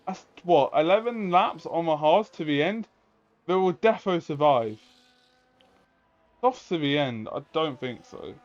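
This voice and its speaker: A man's voice: a little high, expressive, unhurried. A man giving live motorsport commentary, calling the action move by move and throwing in rhetorical questions. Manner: running play-by-play calls mixed with rhetorical questions. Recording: dull lo-fi voice audio.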